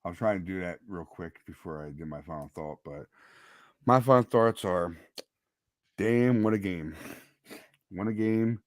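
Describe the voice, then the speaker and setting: A deep-voiced man talking sports in a casual podcast, eager and a little scattered, restarting his sentences as he goes. His voice sounds slightly worn from yelling, and the recording is close and dry. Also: measured pace, long pauses, dry recording. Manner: excitable, trips over his words. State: voice nearly lost from yelling. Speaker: podcast co-host.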